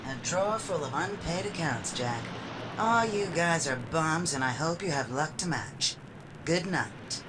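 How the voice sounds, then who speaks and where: Man playing a brassy, highish-pitched wisecracker, noisy backdrop. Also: animated, unhurried. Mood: hostile, dismissive. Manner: snappy, slangy, brusque. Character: brassy, tough, sarcastic secretarial service owner Connie. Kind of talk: 1940s radio drama acting.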